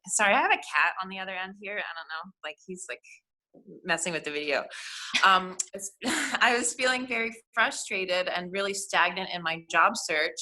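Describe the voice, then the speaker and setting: A woman's voice: medium pitch, pushed and bright, low-quality recording. A woman speaking as a panelist on a video call, chatty and enthusiastic, with many fillers. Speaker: panelist, program graduate. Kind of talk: casual chat on a video call.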